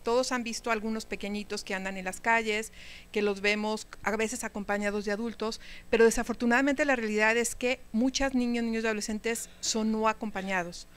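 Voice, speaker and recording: A woman's voice: a little high, steady tone, brisk, clean tone. A woman giving a live lecture to teachers, talking conversationally and asking the audience questions. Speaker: speaker at a teacher training talk.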